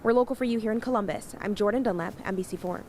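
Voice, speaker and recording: A woman's voice: medium pitch, very fast, darkish tone. A woman TV news reporter delivering a scripted live report from the field. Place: live remote at a courthouse. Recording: clear background noise, live on location.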